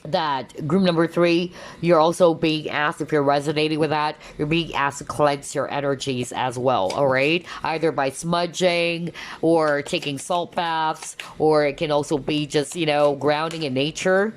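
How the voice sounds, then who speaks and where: A woman's voice: low-pitched, steady tone, measured pace, few pauses, slight background noise. A woman giving a tarot reading in a chatty, reassuring way, saying she is losing her voice. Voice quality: strained, tiring voice. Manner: chatty, reassuring, full of fillers and "okay?" check-ins. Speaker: tarot reader.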